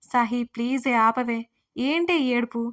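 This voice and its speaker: A bossy, exasperated young woman scolding a weepy friend, as a woman reads her lines. Her voice sits high and brisk, full of impatience. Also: a bit bright.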